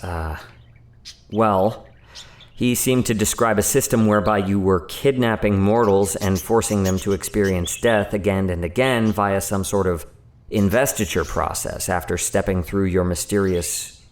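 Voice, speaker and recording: An actor playing an earnest, wary scientist from a secretive agency in an audio drama, formal and explanatory. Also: male voice, low voice, unhurried, a little mellow. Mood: wary, hesitant.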